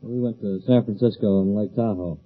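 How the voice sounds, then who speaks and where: Male contestant, 30s, lower voice, plain short answers, narrow vintage recording. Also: fairly even intonation, a little fast, faint music behind. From New York City. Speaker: quiz show contestant. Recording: thin, narrow old radio recording.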